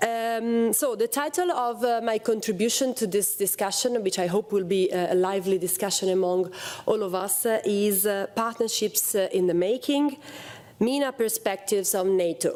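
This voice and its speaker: Noticeable background noise sits behind a woman with a fairly high pitch and ordinary pitch variation. She speaks at a moderate pace with very even loudness. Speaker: security researcher, panel speaker. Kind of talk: conference presentation. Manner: halting, many filler sounds.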